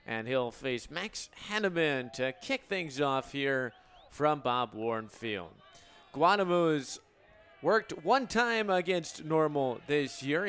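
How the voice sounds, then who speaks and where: An American man in his twenties calling live baseball play-by-play for radio in a crisp, descriptive announcer delivery. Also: on the high side, a bit bright. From Illinois, United States. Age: 20s.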